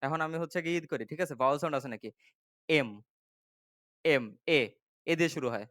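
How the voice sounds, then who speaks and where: Male tutor, smooth slightly high voice, dry close mic. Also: brisk, fairly bright tone, dry recording. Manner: explains step by step, often asking "ঠিক আছে?" to check understanding. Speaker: English tutor. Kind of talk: classroom-style grammar lesson.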